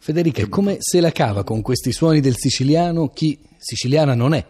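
A man's voice: a little high, expressive, brisk, dark tone, slightly rough. A man presenting and asking questions as the host of a radio interview.

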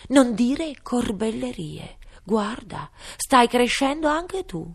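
An exasperated young girl answers slowly and firmly in a storybook voice, as a woman reads her part. The tone stays near the reader's own. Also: a little high, sing-song, husky, pitched above the performer's own voice, full character voice. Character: annoyed young girl growing too big.

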